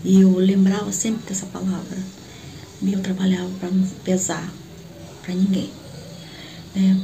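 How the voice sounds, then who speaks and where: A middle-aged woman with a Brazilian Portuguese accent gives a personal faith testimony, speaking as a church prophet. She tells her story in an animated way and acts out the dialogue with sudden leaps in pitch. Her voice is mellow, with a faint hiss behind it. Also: a little slow, gravelly.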